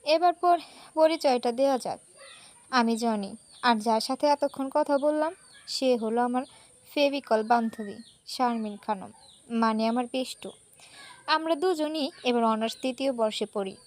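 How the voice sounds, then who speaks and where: A woman with a high voice reading a short story aloud. She narrates in a lively, conversational way, like a storyteller sharing a tale with listeners. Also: measured pace, pauses often.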